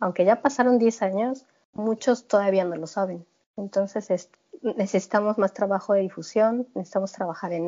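The delivery moves at a moderate pace. It comes in a plain, everyday voice. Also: woman. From Mexico. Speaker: culinary workshop teacher. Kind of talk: interview.

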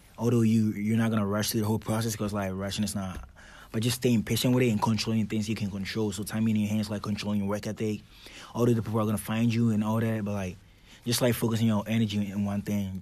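A dark, mellow tone at a very fast pace, with monotone, flat intonation. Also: man, fairly low pitch for a man. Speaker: podcast co-host, college student. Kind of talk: casual chat.

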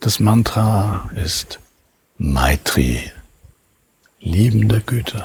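With a calm, soothing tone and lively intonation, a man speaks at a very slow pace with long, frequent pauses. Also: fairly low pitch for a man. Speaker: Zen master and meditation teacher. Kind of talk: guided meditation. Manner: slow, calm, soothing with long pauses; soft-spoken, gentle, unhurried.

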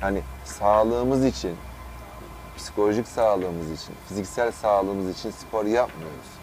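Music in the background behind a fairly low-pitched man with lively intonation and a moderate pace. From Turkey, Sakarya. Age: 40s. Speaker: archery coach and PE teacher. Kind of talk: interview.

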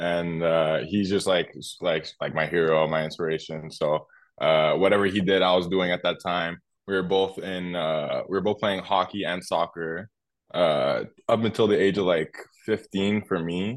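This man's pitch is very deep and low, his intonation fairly even, and his pace moderate. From Montreal, Quebec. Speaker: junior hockey player. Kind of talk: interview.

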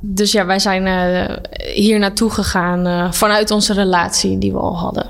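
A medium-pitched woman at a fairly slow pace, with audible room echo and noticeable background noise. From Netherlands, Castricum. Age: 30s. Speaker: guesthouse owner. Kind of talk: interview. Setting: on location at guesthouse.

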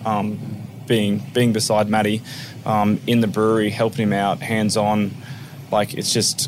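Over noticeable background noise, a man talks at a fairly slow pace. His pitch is fairly low. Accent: Australian. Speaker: brewery business development manager. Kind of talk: casual chat.

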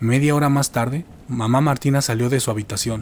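A normal speaking voice from a man, medium in pitch, at a fairly quick pace with fairly even intonation. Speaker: horror story narrator. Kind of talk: ghost story telling, hushed scripted narration of a first-person horror tale.

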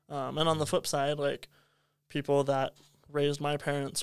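This man talks at a moderate pace with an American accent, in a normal speaking voice. His pitch sits fairly high, and the sound is dry and close with no echo. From western Pennsylvania, US (Beaver Falls). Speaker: college student. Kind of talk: interview.

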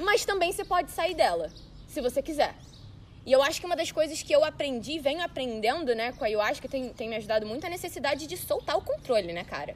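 The speaker talks at a very fast pace with very wide pitch swings. Noticeable background noise runs underneath. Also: woman, high pitch for a woman. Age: 20s. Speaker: writer and spiritual mentor. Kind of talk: casual interview, personal story.

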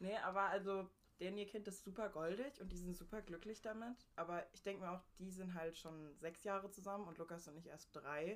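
A woman with an unremarkable speaking voice at medium pitch talks at a moderate pace, her intonation fairly even but her loudness swinging widely. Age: 20s. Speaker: university student and band member. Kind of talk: casual chat.

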